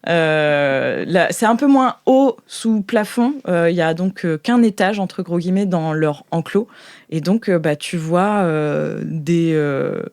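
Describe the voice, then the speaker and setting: A woman's voice: on the low side, slow pace, darkish tone, dry recording, clean studio sound. A woman improvising tabletop game narration as game master, informal and searching for words.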